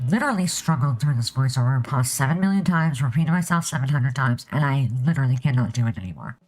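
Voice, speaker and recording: Husky-voiced woman with a cold, low and lively. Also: quick pace, soft background music, poor audio. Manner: chatty, upbeat sign-off. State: losing her voice, has a cold. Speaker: game build creator narrating a speed build. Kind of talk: voiceover narration.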